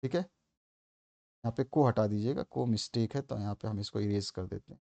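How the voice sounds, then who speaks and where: A man's voice: lowish voice, moderate pace, vocal fry. Man teaching an exam-prep lesson. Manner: explains points by repeating them, with "theek hai" checks; acts out examples with sudden loud stress.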